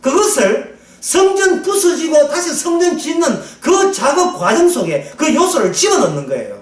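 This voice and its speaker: Animated male Bible teacher, high bright pitch, recorded at a distance in a roomy hall. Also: moderate pace. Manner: animated, acts out quotes, laughs often. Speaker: Bible lecturer. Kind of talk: sermon-style Bible lecture. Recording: echoey room, distant mic.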